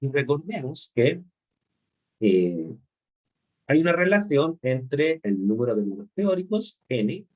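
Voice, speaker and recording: A man's voice: mid-range voice, big pitch swings, slow pace, darkish tone. A male chemistry lecturer, explaining step by step in an online class and often checking in with his students. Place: remote class.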